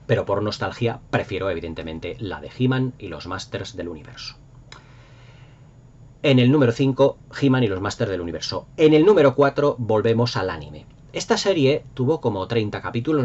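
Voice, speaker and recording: Middle-aged guy with a spain spanish accent, lowish husky voice, rambles on excitedly and nostalgic, kinda muffled lo-fi audio. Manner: enthusiastic, effusive, rambling. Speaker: video host. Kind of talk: casual nostalgic commentary.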